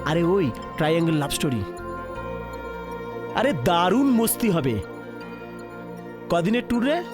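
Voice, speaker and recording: A man's voice: sits high, sing-song, unhurried. An actor playing a shy young man who confesses a crush to his friend in a film scene. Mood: bashful. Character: shy young man in love with landlord's daughter. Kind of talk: Bengali film dialogue. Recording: film soundtrack with music behind.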